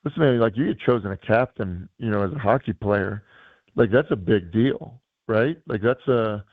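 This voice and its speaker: Hoarse man on a tinny phone line. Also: fairly low pitch, moderate pace, no room sound. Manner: rambling, many fillers and restarts. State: hoarse, losing his voice. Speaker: guest analyst and high school coach. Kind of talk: casual sports radio chat.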